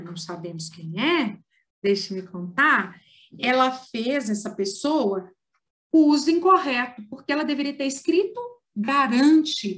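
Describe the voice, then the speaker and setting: Brazilian female teacher, higher pitch, patient and explanatory, online class. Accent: Brazilian Portuguese. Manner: explains patiently, stretching example words slowly. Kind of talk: online writing lesson.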